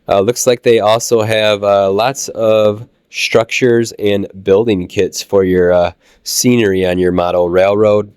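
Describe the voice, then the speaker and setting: A low-voiced man with a Midwestern American accent talks his way through a train show, relaxed and halting with plenty of "uh"s. His voice is smooth and clear despite a lingering cold. It sits close and dry on the mic, with no room sound. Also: no echo. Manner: relaxed, halting with many "uh" fillers. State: recovering from a cold. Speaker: channel host touring a train show. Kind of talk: casual walkthrough narration.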